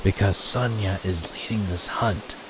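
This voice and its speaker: A man playing the authoritative, patient head of a wolf pack in an audio drama, speaking deliberately. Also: sits low, fairly bright tone, a little hiss or hum, rough recording. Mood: restrained, firm. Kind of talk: dramatic audio fiction acting.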